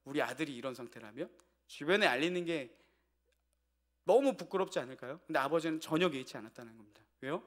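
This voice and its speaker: A male pastor preaches an evening sermon in church. His voice sits a little higher than most men's, and he tells a homely family story as though talking it over with the congregation. Now and then he throws rhetorical questions out to the pews. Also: a bit bright.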